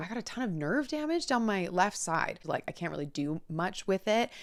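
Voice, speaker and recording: A woman speaks at a medium pitch and a fairly quick pace, her voice swinging very widely in pitch. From Canada, rural. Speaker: former dancer, social media creator. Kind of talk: personal reflection, casual monologue. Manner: hesitant, filler-heavy; slurs words at times.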